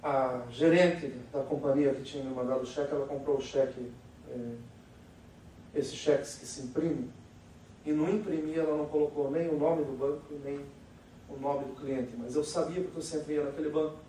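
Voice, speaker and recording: A Brazilian pastor preaching with a Brazilian Portuguese accent, his fairly high voice warm and mellow. He swings from loud declarations to a hushed storytelling tone. He is heard from far off in a very echoey church hall with faint background noise. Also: fairly even intonation, normal speed. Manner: preaching loudly, then drops to a quiet storytelling voice. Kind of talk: sermon.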